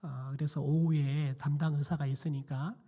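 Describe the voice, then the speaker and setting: A middle-aged man, a pastor, preaching a quiet sermon in a church with a hoarse, nearly lost voice and many hesitant fillers. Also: fairly high pitch, little pitch movement, normal speed. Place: church sanctuary.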